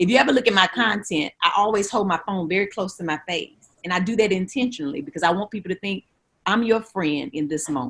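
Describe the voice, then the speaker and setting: Talking at a very fast pace, a woman with a North Carolina accent uses an animated tone, lively intonation and a medium pitch. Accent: Southern US (North Carolina). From US South, small-town North Carolina. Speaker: content creator and actor. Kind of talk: interview.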